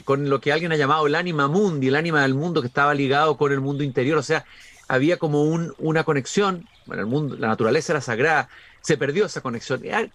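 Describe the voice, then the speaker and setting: A man hosting an interview, asking slow, reflective, musing questions. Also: mid-range voice. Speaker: interview host.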